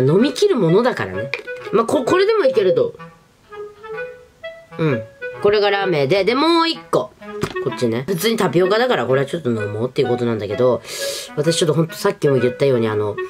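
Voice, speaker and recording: A young adult woman vlogging in a casual, chatty, informal way, talking to the camera in a small room. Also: low voice. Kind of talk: casual chat to camera, product review. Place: small furnished room indoors. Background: background music.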